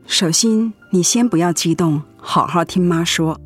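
A woman playing a gravely ill middle-aged Christian mother in a radio drama, speaking gently, earnestly and consolingly. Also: on the low side, unhurried, soft background music, lightly acted. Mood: firm, earnest. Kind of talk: Mandarin radio drama acting.

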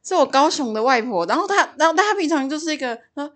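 A young woman from Taiwan co-hosting a podcast, telling stories in a casual, animated way with plenty of laughter. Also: high voice, fast talker. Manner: animated storyteller, laughs a lot. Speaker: podcast co-host. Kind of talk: casual chat.

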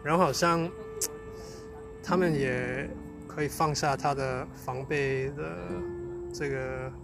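A man's voice: medium pitch, fairly even intonation, slow, vocal fry, over loud music. A man who is a non-native Mandarin speaker with a foreign accent chats casually, searching for words and repeating phrases as he goes. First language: not Mandarin, a foreign learner of it. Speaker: co-host, Chinese learner. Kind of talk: casual unscripted chat.

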